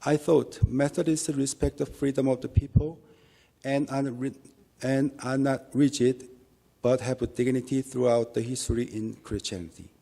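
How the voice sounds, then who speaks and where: A man with a Korean accent, a native Korean speaker, giving an earnest church testimony in English with a measured, halting delivery and small restarts. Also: mid-range voice, fairly even intonation, creaky, warm tone. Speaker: lay minister giving testimony.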